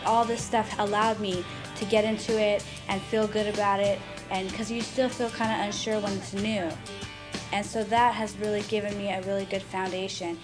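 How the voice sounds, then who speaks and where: A young woman speaking in an interview as a new community member, pausing hesitantly as she goes. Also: mid-range voice, flat delivery. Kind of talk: interview testimonial. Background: background music.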